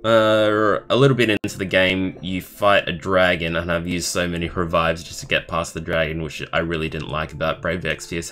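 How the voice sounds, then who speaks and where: A young man live streaming, reading a story aloud in a halting way and adding casual comments of his own. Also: low voice, bright, forceful tone. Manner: halting, stumbling over words while reading. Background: background music.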